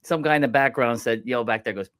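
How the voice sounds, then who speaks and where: A man in a casual podcast chat, a sports chiropractor who tells loose, easygoing stories and acts out the people in them. His voice sits at an ordinary pitch. The recording is dry and close, with no room sound. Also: fast talker, a bit bright, clear, resonant tone, dry recording.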